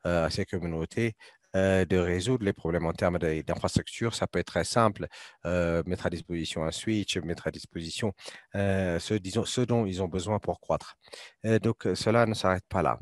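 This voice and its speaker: Deep-voiced man interpreting haltingly, close dry sound. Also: dry recording. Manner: halting, hesitant delivery with repeated words and frequent pauses. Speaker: simultaneous interpreter. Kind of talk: live interpretation of a panel discussion.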